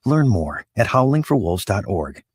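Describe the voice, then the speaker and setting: Earnest male announcer, animated low voice. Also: moderate pace, background noise. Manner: earnest, persuasive. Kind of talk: public service announcement.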